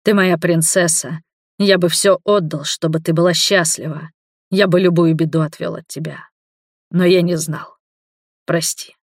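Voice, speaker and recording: A woman reading a story, voicing a sick, grey-haired older man who speaks softly and tenderly to the women he loves. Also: fairly low pitch, fairly even intonation, a little slow, no room sound, clean studio sound. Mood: pleading. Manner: soft, tender, pleading.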